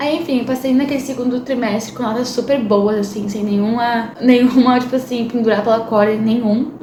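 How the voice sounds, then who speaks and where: Amid noticeable background noise and audible room echo, a woman with a high pitch speaks at a fairly quick pace. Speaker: booktuber. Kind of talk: casual chat. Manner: fast.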